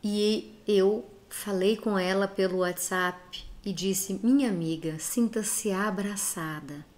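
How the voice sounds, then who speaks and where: A woman's voice: medium pitch, slow pace, a little mellow. A woman from Brazil who has a cold, giving an earnest, emphatic talk straight to her listeners and urging them to act. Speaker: speaker giving reflections to followers. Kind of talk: direct-address motivational talk.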